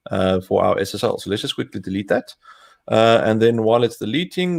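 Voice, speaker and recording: A young South African-accented man with a fairly low voice. He walks through a live demo as he clicks, relaxed and steady. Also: creaky. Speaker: co-host, developer advocate. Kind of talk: live coding demo narration.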